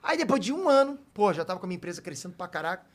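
Fast-talking high-voiced man. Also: very animated. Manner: storytelling, swears freely, self-deprecating laughs. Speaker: podcast guest. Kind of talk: casual chat.

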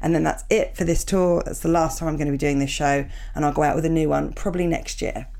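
A woman in her thirties with a cold, hosting her podcast in a rambling, self-mocking chat with a croaky, gravelly voice. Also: deep voice, fairly even intonation, fast talker, darkish tone. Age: 30s. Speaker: podcast host. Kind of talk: chatty podcast intro, reading listener emails.

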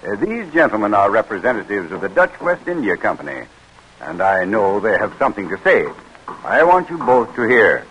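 Hearty colony leader. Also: male voice, on the low side, very animated, normal speed, a bit bright, a little hiss or hum, low-quality recording. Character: genial Swedish colony leader, former governor. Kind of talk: 1930s radio acting.

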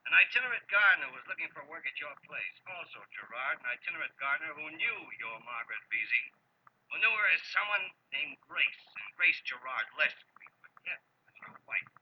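An actor playing a gloating, mock-polite nightclub owner turned blackmailer, in 1940s radio style. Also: male voice, on the high side, expressive, brisk, slightly rough. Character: smug male nightclub-owning blackmailer, coolly menacing. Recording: muffled, noisy old radio recording.

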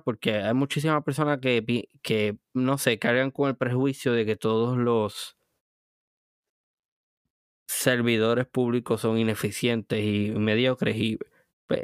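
A male podcast host with a Puerto Rican Caribbean Spanish accent speaks in a smooth, clear voice. His delivery is casual but emphatic, addressed straight to the listener. The sound is dry and close, with very little room. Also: medium pitch, no room sound. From Puerto Rico. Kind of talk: casual podcast monologue recapping episodes.

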